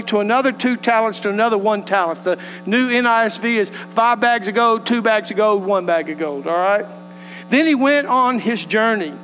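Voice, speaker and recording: A man's voice: high-pitched, fairly bright tone, in a large hall, low-quality recording. A man with a West Texas accent, preaching and praying as a pastor in a folksy, earnest way. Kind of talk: sermon with prayer and scripture reading. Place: church sanctuary.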